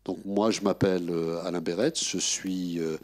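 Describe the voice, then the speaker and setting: A man's voice: deep voice, steady tone, moderate pace, darkish tone. An older man presiding an exam jury, giving a formal presentation with frequent hesitations and restarts. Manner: hesitant, many fillers and restarts. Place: conference room.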